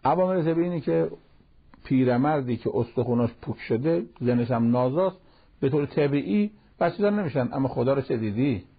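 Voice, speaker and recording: Sounding like an old radio broadcast, dull and lo-fi, this sermon-style Quran commentary comes from a cleric whose husky, gravelly voice sits at medium pitch with lively intonation. He preaches plainly and conversationally, weaving in Arabic verses he recites.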